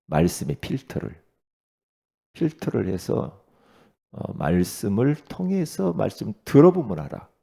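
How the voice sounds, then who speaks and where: A man preaching an early-morning sermon as pastor, talking with lively swings and often asking his listeners questions. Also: on the low side, measured pace, creaky. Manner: animated preaching, rhetorical questions to the congregation.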